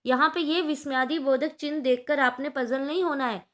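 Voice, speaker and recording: A woman's voice: sits high, fairly even intonation, normal speed. A woman teaching a Hindi grammar lesson to schoolchildren, explaining patiently and checking in often with her class.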